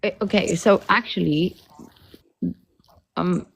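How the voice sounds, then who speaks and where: A woman's voice: fairly low pitch, takes it slowly, vocal fry. A woman in her thirties from South Africa, hosting a casual livestream chat, laid-back and laughing as she tells stories. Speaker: livestream host.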